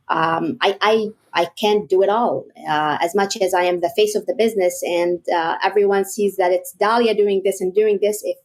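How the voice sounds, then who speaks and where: A woman in her forties from Egypt, raised in Kuwait, speaking as an interview guest in a measured, thoughtful way. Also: lowish voice, a little mellow. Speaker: guest, real estate broker. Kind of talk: interview conversation.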